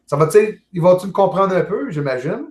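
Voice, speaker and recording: Man, Québécois French accent, jovial, halting with fillers, casual video call chat, echoey room. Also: high-pitched, lively intonation, a little mellow. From Quebec, Canada. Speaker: guest, amateur astronomer. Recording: roomy echo.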